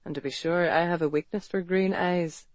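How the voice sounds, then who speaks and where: A man's voice: a little high, steady tone, normal speed, dry recording, lightly acted. An actor playing a bold, protective Victorian London man who talks matter-of-factly and turns coaxing and flirtatious. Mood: teasing.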